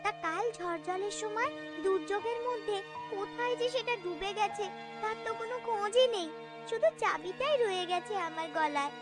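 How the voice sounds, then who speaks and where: Woman voicing a very high-pitched sad little girl. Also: moderate pace. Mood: earnest, sorrowful. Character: young shipwrecked village girl, sad and earnest. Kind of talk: Bengali cartoon story dialogue. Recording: music playing behind the voice.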